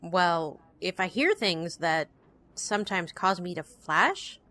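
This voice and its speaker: A woman's voice: lowish voice, animated, slow pace, sharp tone, exaggerated voice. An actress playing an easygoing, thoughtful woman in an audio drama. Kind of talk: full-cast audio drama acting.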